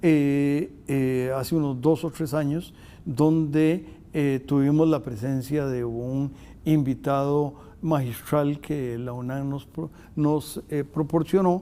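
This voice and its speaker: The man's tone is dark and mellow, with a fairly high pitch. He talks very slowly with fairly even intonation. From Costa Rica. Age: 70s. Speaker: television interviewer, economics program host. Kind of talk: interview. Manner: halting, many fillers.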